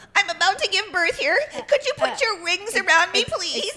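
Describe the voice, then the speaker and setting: A put-on character voice, female-sounding and extremely high in pitch, at a moderate pace over light background noise. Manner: weird, comical.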